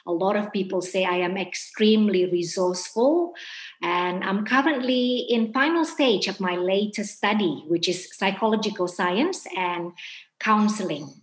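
A woman in her forties from Indonesia, an entrepreneur guest speaking in a measured, reflective way with frequent ums. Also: mid-range voice. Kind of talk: interview answers. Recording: roomy echo.

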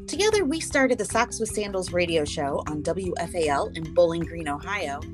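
An American woman co-hosting a podcast in a casual, conversational recap style. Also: fairly low pitch. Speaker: podcast co-host.

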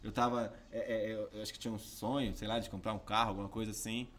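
A man with a Brazilian accent, a podcast guest telling his story in an animated, casual way. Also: lowish voice, quick pace. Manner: animated, peppers speech with "cara" and "entendeu".

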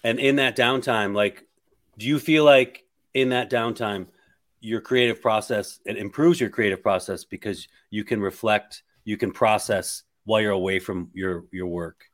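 A man's voice: lowish voice, steady tone, normal speed. A man in his late forties hosting a podcast interview, encouraging his guest and laughing easily. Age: 40s. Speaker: podcast host. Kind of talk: casual interview chat.

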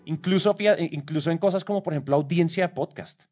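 A man co-hosting a business podcast, talking in a relaxed conversational way. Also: a little high, fast, music in the background. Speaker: podcast co-host. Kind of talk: casual podcast chat.

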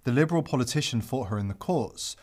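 A man's voice: mid-range voice, lively intonation, quick pace, darkish tone. A male podcast host reading scripted commentary with a dramatic delivery and sarcastic asides.

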